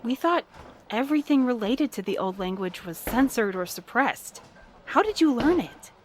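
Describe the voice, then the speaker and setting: A woman's voice: on the high side, animated, normal speed, background noise, lightly acted. A woman playing a curious, eager and helpful young researcher in an audio drama, inquisitive and polite. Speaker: actor in a fiction podcast.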